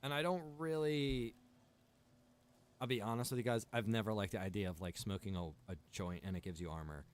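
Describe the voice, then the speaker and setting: A man chatting casually while streaming a survival game, rambling in a relaxed way to his viewers. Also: fairly low pitch, a little fast. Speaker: streamer and server owner. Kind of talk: casual gaming stream chat.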